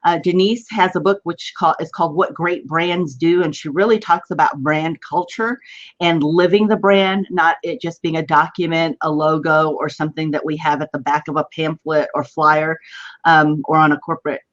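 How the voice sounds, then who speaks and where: A woman's voice: low-pitched, steady tone, normal speed. West texas drawl lady hosting a livestream chat, chatty n informal, kinda muffled lofi webcam sound. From West Texas, United States. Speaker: host of an online video chat. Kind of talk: casual live-stream hosting. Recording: dull lo-fi web video call.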